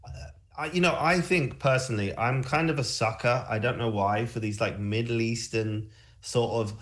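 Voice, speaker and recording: A man's voice: medium pitch, moderate pace, fairly bright tone. A man hosting a music show, chatting casually about tracks in a rambling, hesitant way.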